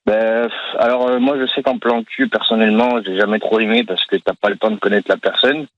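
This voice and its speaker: A young man in his twenties from France calls in to a radio show. His slightly low voice comes through a muffled phone line, dry and close, and he talks in an easygoing, hesitant way full of fillers. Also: steady tone, brisk, fairly bright tone, dry recording. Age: 20s. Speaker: caller. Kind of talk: casual phone-in chat.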